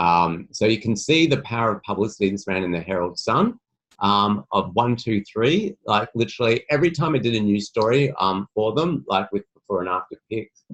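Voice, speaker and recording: A man with an Australian accent at a moderate pace, fairly low in pitch, with lively intonation and hardly any pauses, the sound dry and close with no echo. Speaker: PR specialist. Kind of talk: webinar presentation.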